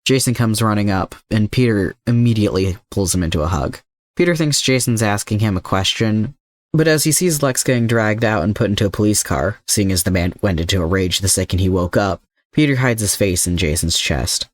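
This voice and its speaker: A man narrates a scripted adventure story as a reader of fan fiction. His voice sits low in pitch, and the sound is very dry, with no room around it. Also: a little fast, no room sound.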